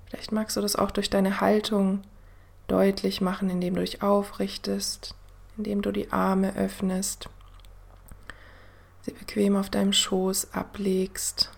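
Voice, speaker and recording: A woman host guiding a meditation in the soothing manner of a sleep story narrator, gentle and unhurried, with a soft, breathy voice that often drops to a near-whisper. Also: medium pitch, completely flat delivery. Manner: gentle, unhurried, with long pauses. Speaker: podcast host and meditation guide.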